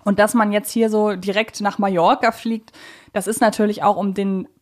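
A woman's voice: medium pitch, flat delivery, normal speed. Reflective woman podcaster. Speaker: podcast co-host. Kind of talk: casual conversational podcast discussion.

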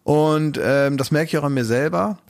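A man's voice: a little high, normal speed, vocal fry. A man from Oldenburg hosting a casual chat, thinking aloud in long rambling restarts. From Oldenburg, northern Germany. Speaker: podcast host.

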